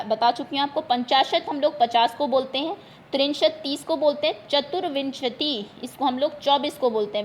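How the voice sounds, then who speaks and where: A woman's voice: high voice, a little hiss or hum. A woman teacher going through exam questions one at a time, patiently repeating each term in plain Hindi. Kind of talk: explaining exam answers.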